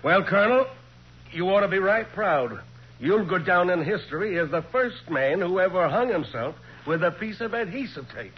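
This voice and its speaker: An actor playing a firm, folksy western sheriff in a 1940s radio crime drama. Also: male voice, high voice, expressive, moderate pace. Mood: wry. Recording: dull, faintly noisy old radio recording.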